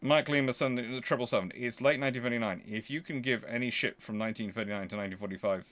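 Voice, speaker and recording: A male host talks through answers to viewer questions in a mid-pitched voice. His delivery is conversational and unscripted, arguing each point with emphasis. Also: fast talker, a bit bright. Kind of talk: casual livestream question-and-answer commentary.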